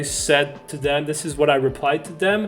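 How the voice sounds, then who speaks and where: A man speaks at a moderate pace with ordinary pitch variation over music in the background. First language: French. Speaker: print-on-demand content creator. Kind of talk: tutorial. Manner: casual, with frequent fillers and self-corrections.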